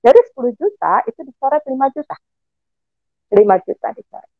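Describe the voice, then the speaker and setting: A woman's voice: sits high, expressive, a little fast, creaky, dry recording. A woman in her sixties giving a personal testimony as a guest, telling her story with animation and acting out the conversations she recalls. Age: 60s. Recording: dull lo-fi recording with faint music.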